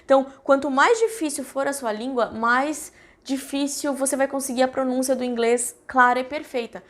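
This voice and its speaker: A woman's voice: high voice, steady tone, moderate pace. A young woman from Brazil, a cruise ship crew member, chatting casually and directly to her viewers with lots of fillers.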